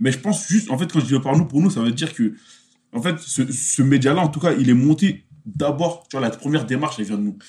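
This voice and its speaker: Fairly quick and lively in intonation, a man's fairly high voice has a dark, mellow tone and is somewhat breathy. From Paris suburbs, Gennevilliers. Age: 20s. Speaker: web developer and media creator. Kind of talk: interview. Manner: casual, hesitant with fillers.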